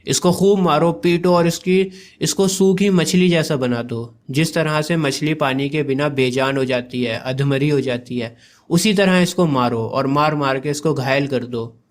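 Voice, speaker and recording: A man's voice: a little high, measured pace, natural voice. A man voicing a bitter, vengeful male island monster in a plain, conversational storytelling voice.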